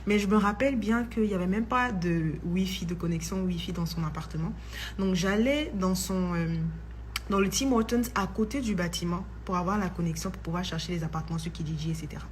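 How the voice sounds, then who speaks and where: A woman's voice: lowish voice, brisk, slight background noise. A woman who tells a personal faith testimony in a chatty vlog, dropping in English phrases. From Ivory Coast. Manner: chatty, mixes in English phrases, grows excited. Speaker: vlogger.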